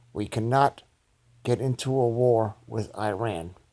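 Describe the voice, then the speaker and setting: A man speaks with an American accent at a very slow pace. His pitch is medium and his intonation fairly even. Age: 60s. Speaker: political commentary vlogger. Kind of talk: monologue commentary.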